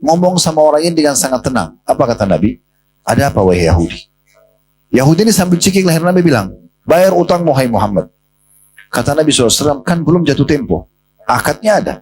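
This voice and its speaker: A man's voice: medium pitch, darkish tone, a little hiss or hum, poor audio. A man preaching a sermon in a conversational way, speaking directly to his congregation and retelling a story with quoted dialogue, in a mosque.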